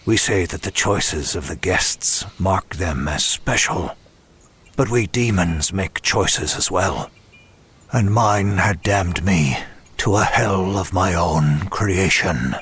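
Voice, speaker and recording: A man playing a broken, self-loathing demon who narrates a horror audio drama in a grave, measured way. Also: low voice, a bit bright, husky, exaggerated voice. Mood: weary anguish. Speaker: first-person narrator.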